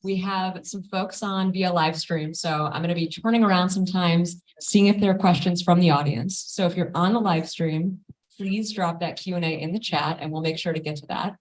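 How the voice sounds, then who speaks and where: A woman's voice: fairly low pitch, steady tone, normal speed, rough recording. A woman moderating a live panel event, welcoming the audience in an upbeat way with fillers.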